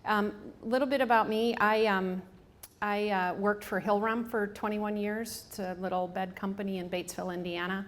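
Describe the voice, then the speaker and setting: A hospice staff speaker, a woman in her 50s with a strong Michigan accent, gives a casual public talk to a live audience in a room, with many ums and restarts. Her voice is medium-pitched and steady at a moderate pace.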